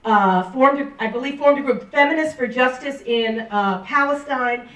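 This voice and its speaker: Middle-aged woman, loud emphatic speech, high voice, echoey room from far off. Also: normal speed. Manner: loud, emphatic, listing with rising stress. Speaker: professor reading a statement. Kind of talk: public speech at a campus event. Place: large lecture room. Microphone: handheld mic, far camera. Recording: roomy hall from far off.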